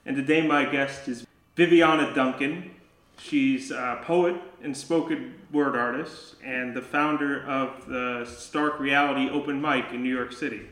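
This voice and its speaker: A man hosting a podcast interview, relaxed and a bit hesitant as he asks questions. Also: mid-range voice, unhurried. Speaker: podcast host. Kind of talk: casual interview chat. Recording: echoey room.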